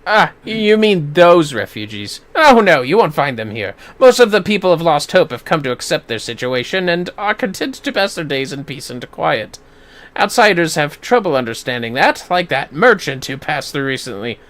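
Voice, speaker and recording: A game streamer puts on a composed fantasy townsperson. The delivery is formal, measured and wry, a little dismissive, with lively pitch movement. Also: male voice. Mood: dry, dismissive.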